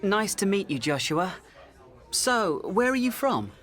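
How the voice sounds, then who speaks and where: A friendly adult man, as a man puts him on, asking questions slowly and clearly. His pitch rises and falls very widely, and each question drops at the end. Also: big pitch swings, fairly bright tone, some chatter behind, heavily acted. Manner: slow, clear questions with falling intonation.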